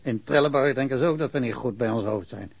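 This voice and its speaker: An actor playing a practical, plain-spoken police investigator in a naturalistic radio drama. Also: male voice, mid-range voice, quick pace, creaky, slightly rough, no room sound. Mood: matter-of-fact.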